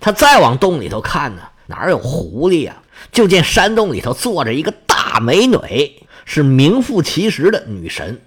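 A man's voice: a little high, wildly swooping pitch, normal speed, slightly rough. A man telling myths in a folksy, chatty storyteller's way, with asides to his listeners.

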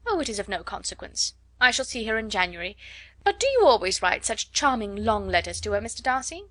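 A woman voicing a flattering young society lady who gushes with eager praise. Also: medium pitch, a little fast, dry recording. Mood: gushing. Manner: gushing, fawning praise.

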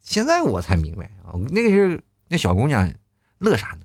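A man in his thirties reading out viewer comments in casual chat, often shouting quoted lines in exaggerated voices. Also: on the high side, wildly swooping pitch, fairly quick, a little hiss or hum. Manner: chatty, acts out quoted lines loudly.

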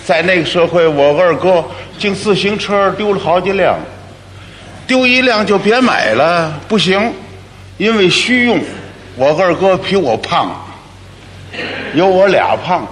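A man telling a solo comic story in a lively, wry manner. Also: high voice, measured pace. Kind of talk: solo crosstalk monologue. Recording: echoey hall, faint noise.

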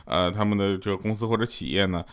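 A man's voice: on the low side, steady tone, fast. A man telling funny stories in a loose, chatty way, often laughing at his own punchlines. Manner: loose, conversational, many fillers. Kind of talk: chatty comic storytelling.

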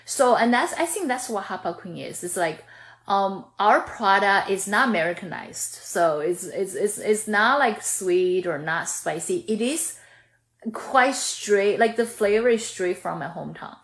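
A woman in her thirties from Chongqing speaks English with a Chinese accent, eager and chatty as a guest in an interview. Her talk is full of fillers and quick restarts. The recording is roomy, with noticeable echo. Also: medium pitch. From Chongqing, China. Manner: lively, frequent fillers and restarts. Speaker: sauce brand founder, guest. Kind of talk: casual interview conversation.

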